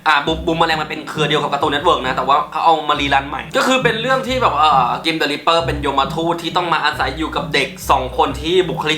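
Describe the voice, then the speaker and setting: A man hosting a casual countdown in a chatty way, who giggles often and gets excited and squeaky. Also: roomy sound. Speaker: YouTube host.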